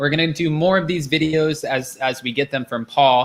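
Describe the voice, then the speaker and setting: A man speaks at a moderate pace in a fairly high pitch, with ordinary pitch variation and noticeable background noise behind him. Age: 20s. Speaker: YouTube live stream host. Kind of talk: live stream chat with callers.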